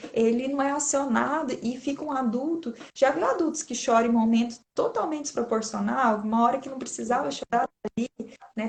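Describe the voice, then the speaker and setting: Speaking to an online audience, a thirtysomething woman with a Brazilian Portuguese accent talks casually about child-rearing, turning often to her listeners and calling them "gente." As a parenting speaker she's chatty, and her voice is a little high and slightly mellow.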